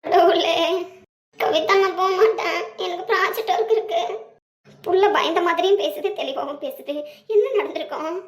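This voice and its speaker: A woman's voice: very high-pitched, moderate pace. A woman playing a nosy, dramatic young coworker and best friend who exclaims theatrically and teases. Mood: fussing. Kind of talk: Tamil comedy romance skit. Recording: echoey room.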